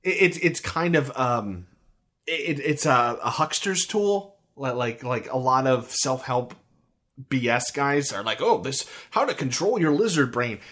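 A man's voice: medium pitch, animated, unhurried, fairly bright tone. A man with an American accent, co-hosting a podcast about a video game in casual, rambling chat full of restarts. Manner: rambling, with frequent restarts and fillers. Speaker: podcast co-host.

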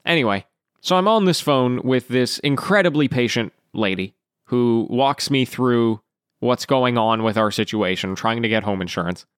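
Man, podcast host, casual monologue, animated rants, mid-pitched voice, dry close sound. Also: clear, resonant tone, no room sound. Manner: animated ranting with quick apologetic asides; acts out quoted exchanges in a raised voice. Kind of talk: casual after-show monologue.

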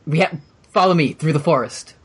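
Gm doing sad centaur dad, slow solemn talk, kinda husky. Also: medium pitch, lightly acted. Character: grieving male centaur father.

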